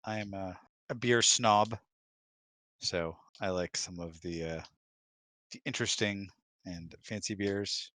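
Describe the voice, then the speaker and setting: A man's voice: deep voice, slow pace, pauses often, sharp tone, no echo. A man chatting casually as a co-host, with dry, mock-serious humor. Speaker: co-host, guest husband. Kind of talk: casual chat.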